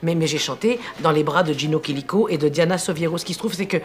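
A woman's voice: deep voice, fast talker. A middle-aged woman with a Québécois French accent, chatting over lunch and telling a story about her life with lots of laughter. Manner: animated storyteller, laughs often. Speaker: guest actress. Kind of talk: casual chat over lunch.

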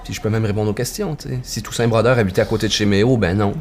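Storyteller guest, man, Québécois accent, low voice, easygoing folksy delivery. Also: fairly even intonation, racing, slight background noise. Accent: Québécois French. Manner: easygoing and folksy, with loose fillers and tags. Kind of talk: casual conversation.

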